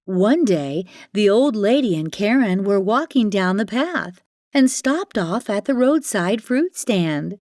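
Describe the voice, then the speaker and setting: A woman tells a children's fairytale slowly and dramatically, with a very lively rise and fall. The sound is close and dry, with faint music behind her. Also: medium pitch, no room sound. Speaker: storyteller. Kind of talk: expressive children's fairytale narration.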